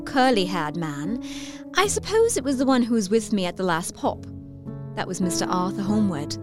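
A woman's voice: medium pitch, lightly acted. A young woman playing a lovestruck, confiding Victorian lady reading her letter in an audio drama, effusively. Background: music under the voice.

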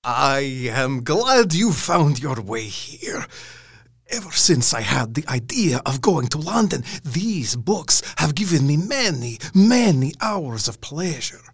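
Count Dracula, slow, swooping vampire voice. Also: male voice, a little high, very animated, slightly rough, no room sound, studio quality, heavily acted. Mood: yearning. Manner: formal, deliberate, commanding. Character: courtly, sinister male vampire count, imperious and hungry for life. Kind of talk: dramatised gothic audio drama acting.

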